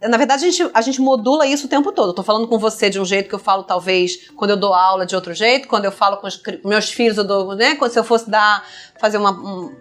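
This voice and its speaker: A middle-aged Brazilian woman, a speech therapist, explaining child language development in a lively podcast chat. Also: mid-range voice, fast. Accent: Brazilian Portuguese. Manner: explanatory, lively, acts out parents and toddlers. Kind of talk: conversational podcast interview.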